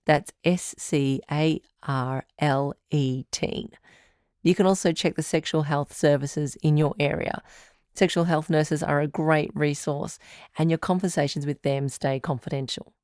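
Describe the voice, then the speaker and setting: A woman playing a calm, caring radio advice doctor who hosts a call-in show in a measured, reassuring way. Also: deep voice, clear, resonant tone, no room sound, clean studio sound.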